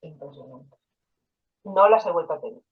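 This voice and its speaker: A woman's voice: fairly low pitch, normal speed, narrow, tinny audio. A woman, an interview guest and hypnotherapist, telling personal stories in a casual way and quoting dialogue along the way. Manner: personal storytelling with quoted dialogue and fillers.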